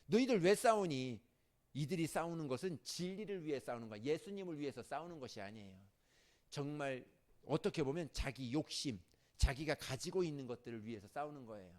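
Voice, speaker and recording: A man preaching a sermon as a pastor, animated, turning from loud scolding to soft asides and asking the congregation questions. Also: mid-range voice, fairly quick. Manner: asks the congregation questions and jokes with them.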